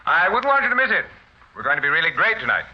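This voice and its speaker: A man's voice: a little high, sing-song, fast talker. A man playing a smug, domineering ventriloquist with theatrical, pointed delivery in an old radio horror drama. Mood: pointedly cheerful. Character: smug, domineering stage ventriloquist, a suavely menacing husband. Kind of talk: 1940s radio horror acting. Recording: muffled old radio recording, light noise.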